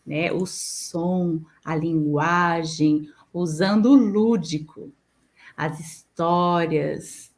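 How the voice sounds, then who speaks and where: A woman's voice: lowish voice, steady tone, very slow. A middle-aged Brazilian woman, a speech therapist, explaining patiently in an interview and giving examples.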